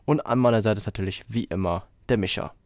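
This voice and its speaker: A man hosting a casual podcast while he has a cold, talking in a rambling, relaxed way with lots of fillers. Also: fairly low pitch, fast, dry recording. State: has a cold, hoarse throat. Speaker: podcast host.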